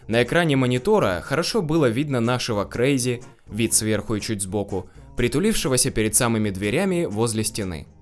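Male narrator, first-person story reading, wry and slangy, with a very lively, rising-and-falling delivery. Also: medium pitch, a little fast, hardly any pauses, soft background music. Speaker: audiobook narrator.

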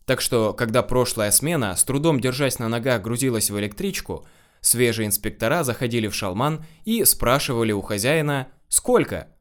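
A man's voice: medium pitch, a little fast. A man narrating a first-person story in an audiobook, with a wry, slangy telling.

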